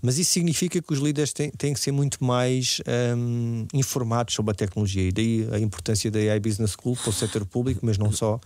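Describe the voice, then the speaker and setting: Male interview guest, European Portuguese accent, tech executive explaining at a brisk clip, dry sound. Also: mid-range voice, steady tone, a little mellow, no echo. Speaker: podcast guest, technology executive. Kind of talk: conversational interview answers.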